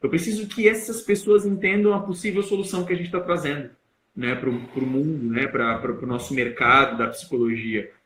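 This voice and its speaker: Young Brazilian man, public-speaking coach on a live stream, bright, punchy delivery with deliberate emphasis, roomy echo. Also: mid-range voice, fairly even intonation, slight background noise. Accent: Brazilian Portuguese. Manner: explanatory, plays with emphasis and loudness to demonstrate.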